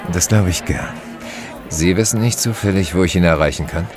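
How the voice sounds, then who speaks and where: Male actor as cool demon hunter: very low, deadpan, curt, sardonic; radio drama. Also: a little fast, lightly acted. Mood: probing, smooth. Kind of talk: German radio play acting. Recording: party crowd and music behind.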